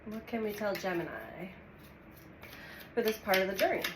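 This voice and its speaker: A woman giving a weekly tarot reading in a calm, unhurried way, congested from a cold and pausing as she draws cards. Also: mid-range voice. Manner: calm, unhurried, speaks with pauses while drawing cards. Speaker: tarot reader. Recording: echoey room with audible background noise.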